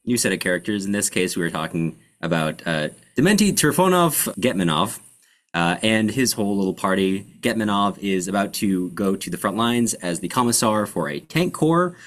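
A man hosting a casual book discussion, explaining things in a halting way as he searches for words. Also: on the low side, very animated. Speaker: podcast host.

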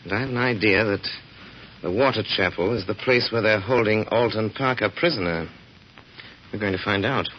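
A confident male detective in an old radio play, as a man plays him, speaking briskly and with quiet assurance. The sound is dull, with a faint hiss under the voice. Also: lowish voice, lightly acted. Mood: assured. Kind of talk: 1930s radio drama acting.

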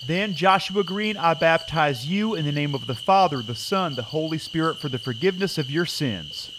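A man acts as a folksy camp preacher in an audio drama, earnest and solemn. His pitch moves in lively sweeps over clear night noise of crickets. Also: normal speed, lightly acted. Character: earnest male camp preacher leading a baptism. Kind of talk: audio drama acting, sermon-like address.

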